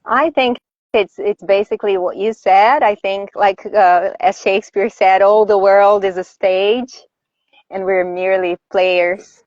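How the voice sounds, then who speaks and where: A woman's voice: medium pitch, fairly even intonation, a little slow, darkish tone, dry recording, highs cut off. A woman from Brazil, a voice actor, answering interview questions in a thoughtful, easy-going way. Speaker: voice actor guest. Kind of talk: live online interview.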